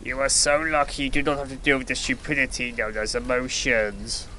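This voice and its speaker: Sardonic male adventurer for fantasy audio play, played by a man; mid-range, tense bright tone, everyday blunt delivery. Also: mid-range voice, little pitch movement, a little fast, slight background noise, lightly acted, poor audio. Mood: disgusted, sarcastic. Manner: sarcastic, blunt. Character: sardonic, exasperated, easily startled male adventurer hero. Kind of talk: audio drama acting.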